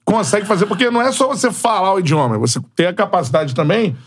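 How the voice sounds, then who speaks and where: A man's voice: high-pitched, fast. A man with a Brazilian Portuguese accent hosting a casual podcast chat, joking and eager as he asks questions. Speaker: podcast host.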